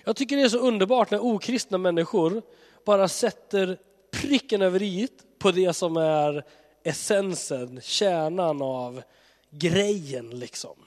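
Male preacher, slightly high, conversational and earnest, stuffed-up with a cold, reverberant hall. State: has a cold. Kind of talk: sermon.

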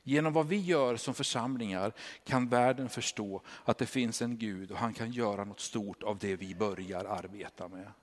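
A man in his fifties preaches with an animated, storytelling delivery and keeps tossing rhetorical questions to his congregation. His voice rings through a large church hall with a long reverb tail. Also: lowish voice, hardly any pauses. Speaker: pastor. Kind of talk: sermon.

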